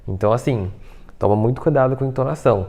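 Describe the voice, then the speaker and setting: Man, patient video-lesson teacher, gravelly fry in his voice, mid pitch. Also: fast talker, dark tone. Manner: explains patiently, many fillers like "tá?" and "né?". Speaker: Mandarin teacher.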